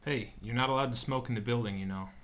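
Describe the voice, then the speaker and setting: A woman's voice: extremely low pitch, fast. A woman playing a wary, grudging police officer in a sci-fi radio drama, speaking in a dry, sarcastic manner. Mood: dry, wry.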